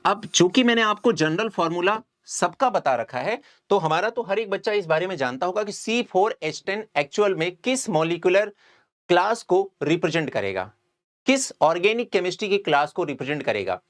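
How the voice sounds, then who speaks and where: A man's voice: high-pitched, lively intonation, moderate pace, fairly bright tone. A man giving a step-by-step chemistry lecture and often checking that his students follow. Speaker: chemistry teacher. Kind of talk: whiteboard lecture.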